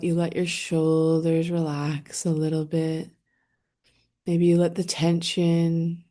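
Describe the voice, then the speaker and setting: A woman leading a guided meditation, speaking gently and soothingly in short phrases with long, unhurried pauses. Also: lowish voice.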